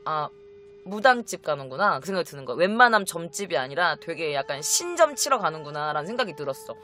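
A woman's voice: low voice, fast talker. A young woman casually telling a personal story to her viewers, acting out the voices of her relatives as she goes. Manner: animated, acts out quoted relatives in shifting voices. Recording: faint music behind.

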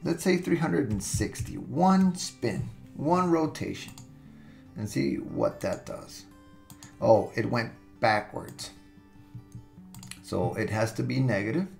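A man takes his time with a software tutorial, moving step by step in a creaky, mid-range voice. He sounds relaxed and thinks aloud with fillers and restarts, recorded at his computer with soft music underneath.

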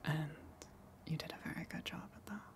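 A woman playing a gentle eldritch tentacle monster in an ASMR roleplay, coaxing and soothing in a breathy whisper with long pauses. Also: low voice. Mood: reassuring, luring.

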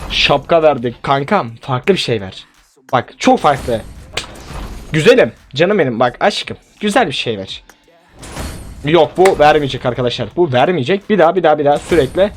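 A young man giving casual, animated gameplay commentary, pleading with and exclaiming at the game as he plays. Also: fairly high pitch, moderate pace, faint music behind. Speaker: gaming YouTuber.

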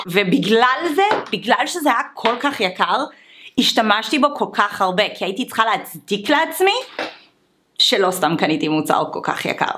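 A woman's voice: mid-range voice, a bit bright, a little hiss or hum. A woman, chatting casually through a makeup tutorial and slipping into English exclamations. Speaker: beauty vlogger.

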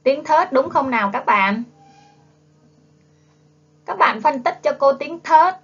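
Speaking very slowly in a fairly high, slightly bright voice with lively intonation, a primary school teacher with a Southern Vietnamese accent patiently drills young children in a drawn-out phonics lesson. She's coaxing and keeps prompting them to repeat. The classroom video audio sounds dull and lo-fi.

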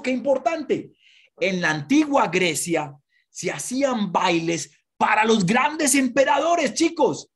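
A woman giving a lively lesson to children, asking them questions and having them repeat words. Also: mid-range voice, slightly rough. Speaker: children's history presenter.

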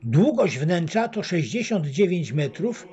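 A man giving a scripted travel narration as a voice-over, reading facts and figures in a measured, even way. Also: sits high. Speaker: documentary narrator. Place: voice-over, not recorded at the pictured site. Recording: dull lo-fi voice-over with faint choir music.

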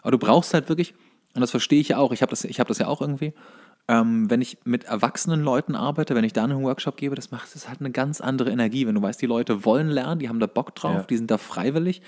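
A man's voice: mid-range voice, quick pace, darkish tone. A young man chatting casually as a podcast co-host, colloquial and opinionated. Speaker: podcast co-host and workshop teacher.

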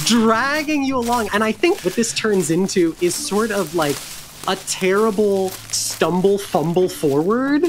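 A woman's voice: medium pitch, lively intonation, a little slow, soft background music. A woman with an American accent narrating a tabletop game as game master.

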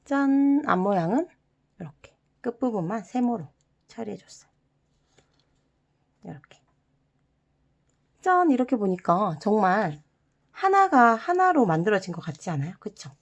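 Gravelly soft-spoken woman teaching origami. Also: medium pitch, sing-song, normal speed, long pauses, dull audio. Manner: soft, sometimes whispered instructions with playful sound words. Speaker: origami channel host. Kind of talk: step-by-step craft tutorial for children.

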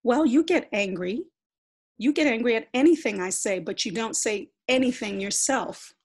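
A woman reading aloud as an outraged teenage girl in a storybook, ranting at her brother in a raised, higher, husky voice. Every complaint lands with emphasis. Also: animated, normal speed. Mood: exasperated.

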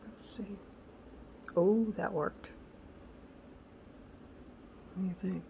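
A woman hosting a casual crafting tutorial, chatty and correcting herself, her voice raspy because she is losing it. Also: fairly low pitch, steady tone, extremely slow, highs cut off, slight background noise. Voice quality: gravelly. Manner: chatty, self-correcting, muttering asides to herself. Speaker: craft channel host.

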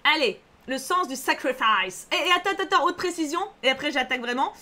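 A woman's voice: high voice, lively intonation, quick pace, sharp tone. A woman streaming live, chatting casually with viewers, reassuring and repeating herself with lots of fillers. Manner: chatty, reads chat aloud, frequent fillers.

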